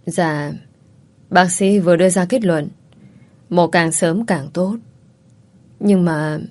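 A woman voicing a young female student, a devoted, tearful daughter who speaks softly and hesitantly. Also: on the low side, slow pace. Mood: distressed.

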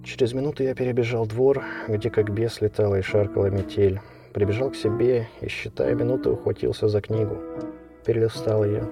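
A man reading a literary story aloud in the first person, in a measured, dramatic voice. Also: fairly low pitch, steady tone, gravelly. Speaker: audiobook narrator. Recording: distant mic with music bed.

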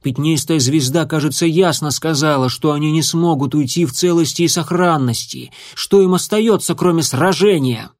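A man's voice: a little high, moderate pace, hardly any pauses, voice pushed up, close to an everyday voice. A man doing a grumbling impatient tom cat. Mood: exasperated. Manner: grumbling, exasperated.

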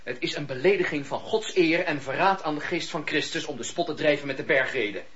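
An actor playing a stern, righteous religious leader in a historical radio drama, preachy and emphatic. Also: male voice, on the high side, fairly quick, a crowd in the background, natural voice. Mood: indignant. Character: stern, indignant male religious leader of old England. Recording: muffled lo-fi radio drama recording.

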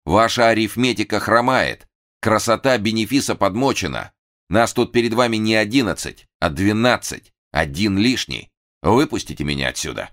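A man's voice: lowish voice, animated, normal speed, fairly bright tone, voice pushed up. A man voicing a composed detective who stutters on the first sounds of his words in an audiobook. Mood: firm. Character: stuttering calm male detective.

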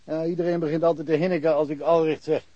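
An actor playing a talkative, folksy middle-aged provincial police inspector in a naturalistic radio drama. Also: male voice, fairly high pitch, little pitch movement, fast, mellow, no echo, lightly acted. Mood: sheepish, friendly. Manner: talkative, colloquial, self-deprecating. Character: chatty, folksy provincial Swedish police inspector, long-serving local. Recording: muffled, noisy radio drama recording.

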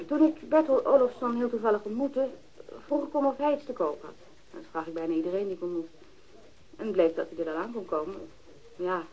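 A woman's voice: fairly low pitch, darkish tone, a little hiss or hum, close to an everyday voice. An actress playing a frank, matter-of-fact woman who uses drugs, giving testimony in a radio crime drama. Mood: frank, unapologetic. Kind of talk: Dutch radio drama dialogue. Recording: dull, lo-fi archived radio recording.

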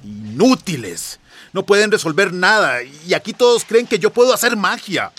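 A fed-up small-town mayor. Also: male voice, high-pitched, sing-song, normal speed, fairly bright tone, slight background noise. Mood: exasperated. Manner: pleading on the phone, then frustrated muttering. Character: weary exasperated male small-town mayor. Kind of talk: radio drama acting.

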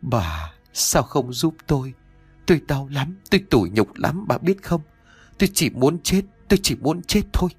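A vengeful young woman's ghost played by a man wails in a raised, aggrieved voice. The pitch swings widely and the sound is dry and close, with faint music behind. It is a storybook horror figure. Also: very animated, normal speed, breathy edge, no echo, heavily acted. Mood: anguished.

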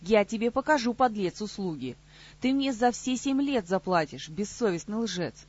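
A loud, shrill woman who scolds and hisses, as a female narrator puts her on. Her voice runs high and husky, heard on a dull, lo-fi audiobook recording. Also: very animated, fairly quick. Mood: furious. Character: brash, aggressive woman, loud and demanding. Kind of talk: audiobook character voice.

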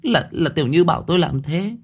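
A man's voice: on the high side, lively intonation, brisk, creaky, husky, pitched above the performer's own voice, heavily acted. A man voicing a frightened, timid young woman who stammers and pleads. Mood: panicked.

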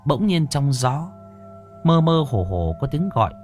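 A man narrating a ghost story in a dramatic, expressive way. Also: on the high side, unhurried, faint music behind.

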